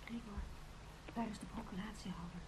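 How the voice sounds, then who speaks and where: A woman's voice: medium pitch, steady tone, a little fast, noisy background, close to an everyday voice. An actress in a radio drama playing an anxious young woman who urgently whispers through a door. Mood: anxious, hushed.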